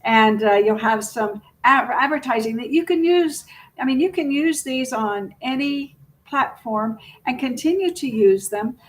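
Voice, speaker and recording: A woman's voice: high voice, a little slow. A woman presenting a casual unscripted video as a real estate agent, chatty, rambling and self-deprecating.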